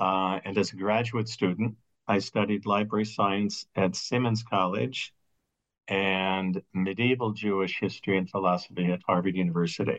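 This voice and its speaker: A man with a Midwestern accent speaks at a moderate pace in a fairly low voice, with fairly even intonation and very even loudness. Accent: general American, Midwestern. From US Midwest. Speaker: independent scholar, author. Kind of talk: interview about a book. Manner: hesitant, many fillers.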